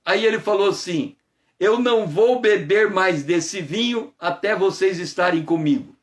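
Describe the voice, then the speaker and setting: A man giving a conversational morning devotional sermon as a pastor, playful and teasing, greeting viewers by name and slowing down to stress key phrases. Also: high voice. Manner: slows down and stretches phrases for emphasis.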